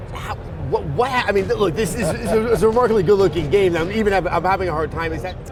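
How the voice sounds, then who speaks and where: Crowd noise fills the background as a man talks at a very fast pace, high-pitched with ordinary pitch variation. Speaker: video game journalist. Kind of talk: interview questions. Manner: stuttering, repeating words.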